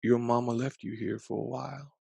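A man voicing a loving old grandfather in a storybook, talking slowly with folksy, gentle wisdom. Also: medium pitch, fairly even intonation, vocal fry, slightly rough, dry recording. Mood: wistful, tender. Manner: folksy, slow, humming "mm-hmm".

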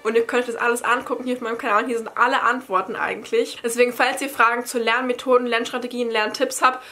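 Young woman from berlin, bright highish voice, chatty and explainy, casual q&a vlog at home. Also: level tone, fast. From Berlin, Germany. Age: young adult. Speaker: study-advice vlogger. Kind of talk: casual Q&A chat to camera. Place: bright attic room at home.

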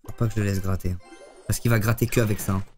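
Excitable man streaming a game, low voice. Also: fast, faint music behind. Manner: excitable, swears often, talks to chat. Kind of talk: live gameplay commentary.

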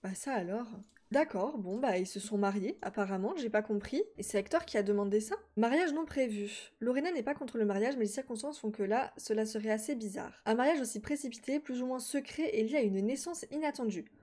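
A woman, chatting casually as she plays a life-sim game, talking to her characters and her viewers and quick to exclaim at what she sees. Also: fairly high pitch, dark tone. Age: 20s. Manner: quick exclamations of delight and confusion. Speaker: gaming YouTuber. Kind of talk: casual Let's Play commentary.

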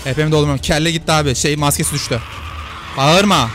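A man giving casual let's-play commentary, excitable and shouting at the screen during a fight. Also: on the high side, very fast. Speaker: gaming youtuber. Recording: game music loud behind voice.

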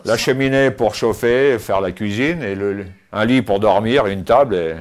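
Older man, low voice, halting cave tour. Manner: hesitant, many fillers and restarts. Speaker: cave home owner giving a tour. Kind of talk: casual spoken house tour. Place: inside stone cave rooms and outdoors by cliffs.

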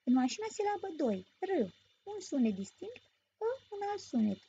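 A woman teaching a grammar lesson as a story, explaining clearly and patiently. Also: very high-pitched, very animated, dark tone. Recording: dull lo-fi recording.

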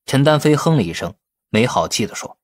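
A man's voice: medium pitch, lively intonation, a little fast, no echo, studio quality. A man reading a novel aloud as a scripted narration, in the role of audiobook narrator.

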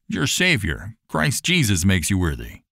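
A man's voice: sits low, huge pitch swings, a little slow, vocal fry, sharp tone, no echo, clean studio sound, exaggerated voice. A man voicing a kindly, devout fair owner in a storybook, speaking in an earnest, preaching, emphatic way.

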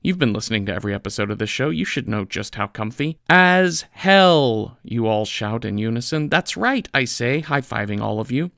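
Male podcaster, scripted comic ad read, conversational deadpan, some vocal fry, dry studio sound. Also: mid-range voice, no room sound. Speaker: podcast writer reading a sponsor ad.

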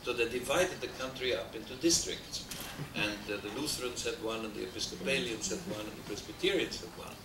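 An older man with an Austrian German accent lectures in a wood-paneled hall, pausing on fillers and slipping in dry jokes. His voice sits at an ordinary male pitch and comes across distant and roomy. A steady hiss from an old VHS transfer runs underneath. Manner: discursive, frequent hesitations, dry humor. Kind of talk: academic lecture. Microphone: desk mic on stand.

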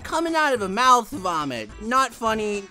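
A man's voice: extremely high pitch, expressive, normal speed, pushed and bright, soft background music. A man delivering scripted satirical narration in a sarcastic, mocking manner. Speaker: narrator of a parody cartoon.

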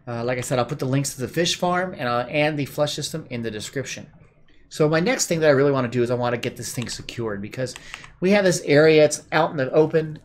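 A man hosting a gameplay video, calmly explaining his build step by step with plenty of "uh"s, while his voice is going a bit hoarse. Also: mid-range voice, slight background noise. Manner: relaxed, explaining step by step with many "uh"s. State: losing his voice. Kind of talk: casual building commentary.

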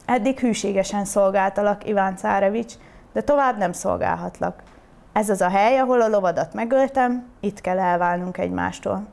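Woman reading as a faithful talking grey wolf, solemn, steady, storybook creature. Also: mid-range voice, creaky, lightly acted. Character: loyal wise grey wolf, male.

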